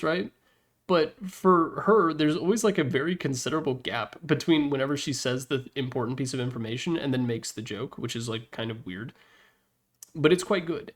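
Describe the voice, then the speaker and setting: A man presenting a ranking video with casual, opinionated commentary, informal and mildly profane, with wry asides. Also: on the high side. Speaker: presenter of a tier list slideshow video.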